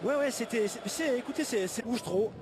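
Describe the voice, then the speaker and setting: A man giving excited, emphatic football co-commentary, analysing replays and repeating words for emphasis. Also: very high-pitched, normal speed. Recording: loud stadium noise behind the voice. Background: loud stadium ambience.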